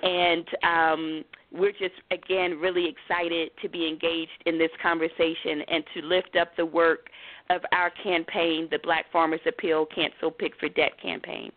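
Woman, earnest guest speaker, monotone, dry, dull band-limited sound. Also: deep voice, measured pace, no echo. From Southern US. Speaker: campaign representative, guest. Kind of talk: earnest campaign introduction.

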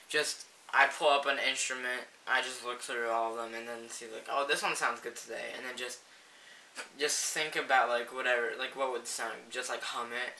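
Hesitant bright-toned man, distant and roomy. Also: medium pitch. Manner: hesitant, rambling, many fillers. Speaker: guest. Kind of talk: casual chat. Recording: roomy, distant mic, faint hiss.

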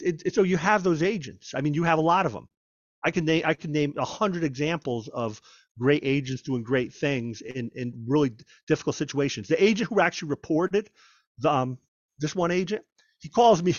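A man, a former federal agent, telling stories in a conversational interview, animated and often repeating and restarting his words. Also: fairly high pitch, moderate pace, dry recording, highs cut off. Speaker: guest, former FBI agent. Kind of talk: conversational storytelling.

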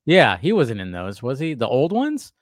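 A man's voice: medium pitch, wildly swooping pitch, moderate pace, dry recording, clean studio sound. A man co-hosting a fan stream, chatting casually about a cartoon episode, laughing often and restarting his sentences. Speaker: podcast co-host.

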